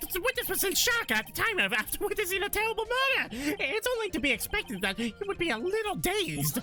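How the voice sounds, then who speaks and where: An extremely high-pitched, put-on character voice rattles along at a very fast pace over clear background noise. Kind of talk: exaggerated courtroom speech. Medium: game stream.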